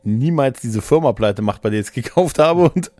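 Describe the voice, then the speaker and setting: A man's voice: medium pitch, animated, moderate pace, a little mellow, dry recording. A man chatting casually as a podcast host, rambling and jokey, often interrupting himself. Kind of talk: casual chat about games and films.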